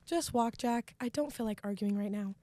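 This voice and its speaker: A woman's voice: fairly high pitch, normal speed, dark tone, no echo, close to an everyday voice. A woman playing an insistent, uneasy wife in a student radio play acted live. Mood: scared, irritated. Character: anxious, insistent wife on an anniversary getaway. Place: radio studio with live sound effects. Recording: faint background noise, live studio sound effects.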